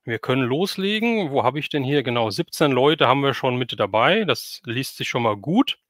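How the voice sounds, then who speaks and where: A man's voice: mid-range voice, lively intonation, moderate pace, fairly bright tone, no echo, studio quality. A man speaking as a livestream host in a casual, chatty and enthusiastic way while interviewing a guest.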